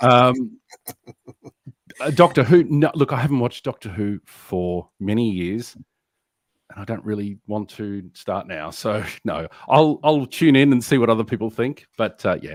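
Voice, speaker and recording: A man with an Australian accent at medium pitch, lively intonation, big swings in loudness, a moderate pace and long, frequent pauses, on a very clean recording with a silent background and a dry, close sound with no echo. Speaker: panel member. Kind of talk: live show panel chat. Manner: halting.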